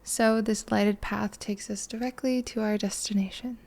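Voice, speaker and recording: Woman acting a smitten, soft-spoken flirty date, lightly gravelly. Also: mid-range voice, fairly even intonation, moderate pace. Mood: tender, excited. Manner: soft, flirty, reassuring, with small chuckles. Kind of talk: romantic audio roleplay, one side of a conversation.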